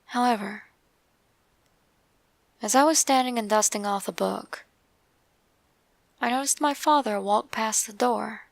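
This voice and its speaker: A woman with an Appalachian accent narrates a first-person scary story in a creaky voice, measured and with dramatic pauses. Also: on the high side, no echo. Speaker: narrator of true scary stories.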